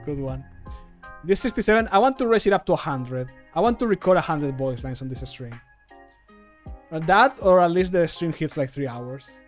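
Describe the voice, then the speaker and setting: A man's voice: a little high, animated, normal speed, faint music behind. A man in his thirties chatting casually on a livestream while he works, muttering and poking fun at himself. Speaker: streamer and amateur voice actor. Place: small home room, indoors.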